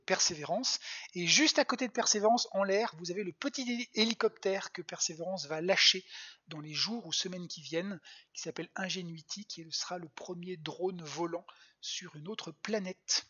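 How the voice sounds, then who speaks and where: A planetarium educator talks to young viewers online and answers their questions with frequent pauses and restarts. The voice sounds husky and slightly breathy. The audio is dull and lo-fi, like a home stream. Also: medium pitch, sharp tone. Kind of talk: live online science talk for children.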